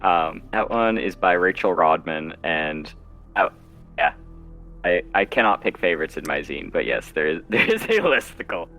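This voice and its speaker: A man chatting casually as an interview guest, halting and self-deprecating as he explains his writing work. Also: sits low, very animated, sharp tone, soft background music. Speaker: guest author and zine editor.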